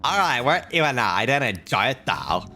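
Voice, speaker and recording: Man reading a hard-drinking female reporter, brash, with lively pitch. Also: fairly quick, soft background music. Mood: determined. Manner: reads lines aloud, tipsy drawl. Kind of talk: reading game dialogue aloud.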